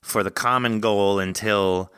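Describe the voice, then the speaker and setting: A man hosting a podcast, chatting casually and thinking aloud in a rambling, animated way as he discusses fiction with a guest. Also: on the low side, unhurried, clean tone, dry recording, clean studio sound. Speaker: podcast host interviewing an author.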